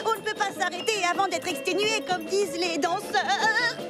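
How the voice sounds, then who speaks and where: A woman voicing an excitable, boastful young girl inventor in a French-language cartoon, with theatrical, exclamatory delivery. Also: very high voice, moderate pace. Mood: sheepish, bluffing. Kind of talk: French-language animated series dubbing. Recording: loud music behind the voice.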